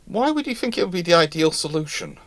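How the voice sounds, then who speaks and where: A man talks through viewer questions on a live stream in a loose, conversational way. He is animated and emphatic and laughs easily, and his voice sits dry and close to the mic with little room sound. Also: a little high, fast talker, no room sound. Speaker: host of a live history Q&A. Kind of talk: casual live-stream chat.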